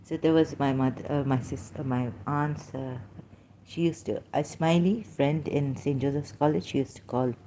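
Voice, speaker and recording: A woman from Pakistan with a Pakistani accent, talking in a rambling, halting way with many fillers and restarts. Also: a bass voice, steady tone, warm tone, slight background noise. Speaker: vlogger. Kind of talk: casual monologue, reading aloud at times.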